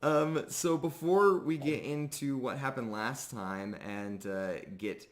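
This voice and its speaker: A man hosting a roleplay stream as game master, chatting casually and informally with halting announcements. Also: mid-range voice. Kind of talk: casual chat introducing a live roleplay stream.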